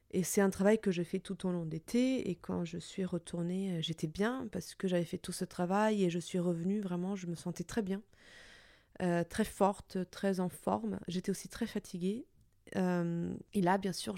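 A woman's voice: on the low side, gravelly, warm tone, no room sound, studio quality. A young adult woman hosting a personal podcast monologue, talking in a reflective way and searching for her words. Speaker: podcast host.

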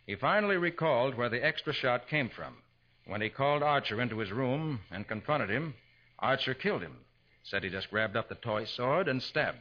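An American actor playing a confident private detective in 1940s radio drama style, explaining things in an assured way. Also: male voice, mid-range voice, animated, normal speed, close to an everyday voice. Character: confident male private detective, explaining how he solved murders. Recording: dull 1940s radio recording.

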